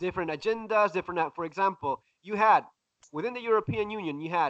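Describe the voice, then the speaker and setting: A Spanish accent at a fairly quick pace. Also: man. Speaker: podcast host, survival author. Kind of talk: casual interview chat. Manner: halting, many false starts.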